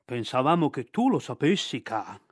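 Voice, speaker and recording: A man voicing a heavy, kindly old male bear with a low, gruff, soft-spoken voice. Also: sing-song, normal speed, no echo, clean studio sound. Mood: uncertain.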